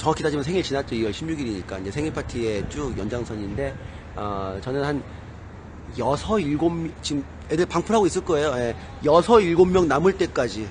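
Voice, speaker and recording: Fairly high-pitched, a man speaks at a fairly quick pace with very wide pitch swings. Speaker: internet live streamer. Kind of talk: live stream chat.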